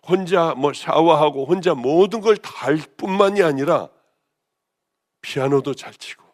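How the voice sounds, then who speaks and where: A woman pastor with a hoarse voice, preaching a sermon with passion, rising to loud exclamations and then dropping to hushed, almost whispered lines. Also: deep voice. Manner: impassioned, swinging between raised exclamations and hushed near-whispers.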